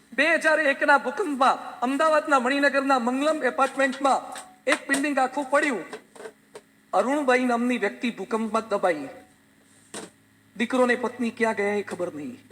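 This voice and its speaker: High-voiced man preaching in an echoey hall. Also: a bit bright. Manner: storytelling with homely anecdotes and humor. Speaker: swami preacher. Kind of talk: sermon.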